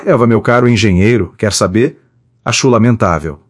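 A man's voice: on the low side, moderate pace, lightly acted. A man reading the lines of a proud, wary young woman who answers her suitor coolly and ironically. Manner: cool, ironic.

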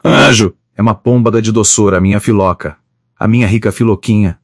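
A man's voice: fairly low pitch, fairly even intonation, fairly quick, dry recording, studio quality. A man voicing an eager, doting newlywed husband who gushes about his bride.

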